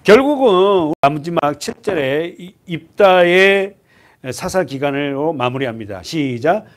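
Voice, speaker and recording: Quizzing his congregation to keep the expository sermon lively, a male pastor in a church sanctuary speaks in an unhurried voice on the high side. For grim points, his voice sinks to a hush.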